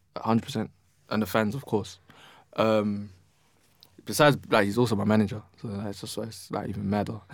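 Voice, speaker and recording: A man with a London accent speaks at a moderate pace in a fairly low voice, his intonation fairly even and his pauses long and frequent. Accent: London, multicultural London English. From East London. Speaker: rapper. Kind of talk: interview.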